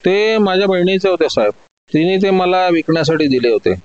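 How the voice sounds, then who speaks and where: Audio-story part: brash young broker, lying and defensive , voiced by a man, pitched high, dry lo-fi. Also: lively intonation, fairly quick, no room sound. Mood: evasive. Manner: loud, defensive outbursts.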